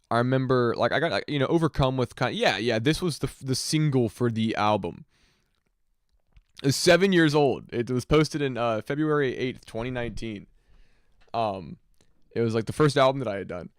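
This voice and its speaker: A man's voice: medium pitch, smooth, no room sound, studio quality. A man in his twenties chatting casually on a music livestream, rambling and reflective with many fillers. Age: 20s. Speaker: music streamer.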